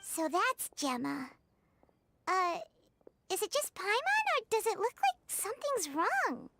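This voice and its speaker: A woman voicing a small, cheerful, childlike fairy companion in a video game, squeaky and curious. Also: very animated, slow pace, sharp tone, slight background noise, exaggerated voice. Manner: speaks of self in third person.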